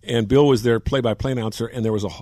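A man in his sixties, a longtime sports broadcaster, telling animated anecdotes in casual chat. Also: mid-range voice, fast talker, dry recording, clean studio sound. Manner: animated anecdotes, acts out quotes.

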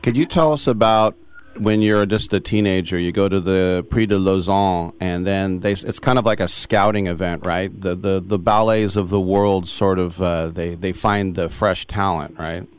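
A man's voice: deep voice, steady tone, normal speed, clear, resonant tone. A man hosting a radio show, interviewing a guest in a casual way with frequent restarts. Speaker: sports radio host.

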